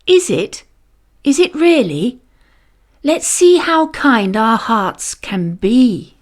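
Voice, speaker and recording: A woman plays an encouraging female primary school teacher from a children's storybook. She is cheerful and emphatic, with a high, very animated voice and slow, drawn-out words. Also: exaggerated voice. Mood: gently teasing, warm.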